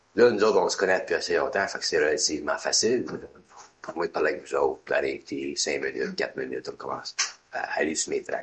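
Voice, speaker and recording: A man speaks with a Quebec accent. His pace is very fast. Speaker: spiritual teacher. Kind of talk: informal talk to a small group. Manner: repetitive.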